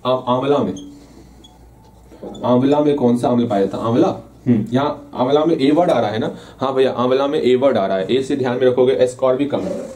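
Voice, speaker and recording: A man's voice: mid-range voice, a little fast, dark tone, a little hiss or hum. A man teaching a casual revision lesson, playfully repeating key terms and asking and answering his own questions. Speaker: science teacher.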